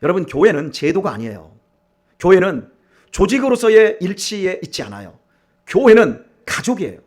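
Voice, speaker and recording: A man's voice: high-pitched, sing-song, normal speed, darkish tone. A man preaching a sermon as pastor in a church, emphatic and repeatedly asking his congregation questions. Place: church sanctuary.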